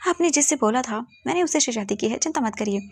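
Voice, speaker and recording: A girl doing a cheeky young groom coaxing his mom, kinda husky, dry sound. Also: fairly high pitch, lively intonation, quick pace, dry recording, pitched above the performer's own voice. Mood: pleading. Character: playful teasing young man, new groom.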